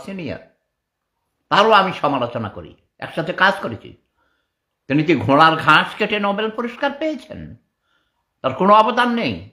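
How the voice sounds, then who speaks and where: A man's high-pitched voice, bright and sharp in tone, with very wide pitch swings. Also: big swings in loudness. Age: 70s. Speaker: political commentator. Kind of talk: political rant.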